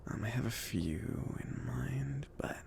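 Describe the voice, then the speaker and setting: A man playing a chill, considerate mage in an ASMR fantasy roleplay, speaking softly in a casual, hesitant, reassuring way. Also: medium pitch, animated, slow pace, gravelly, slight background noise, full character voice. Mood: gentle, reassuring. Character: chill, considerate mage sending an apprentice on errands.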